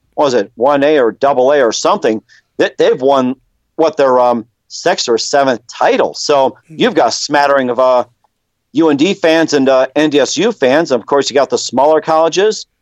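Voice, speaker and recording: A man with an American accent speaks in an ordinary speaking voice, fairly high-pitched, at a moderate pace with ordinary pitch variation and very even loudness. The sound is dry and close with no echo. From US Midwest, Chicago/Milwaukee area. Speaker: radio host. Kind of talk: casual interview.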